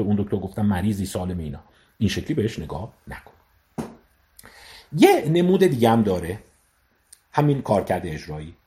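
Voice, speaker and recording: Man, lecturer, psychology talk, animated pitch, defines terms slowly, plays out examples. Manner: explains terms and repeats them slowly, acts out example dialogues. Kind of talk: educational talk.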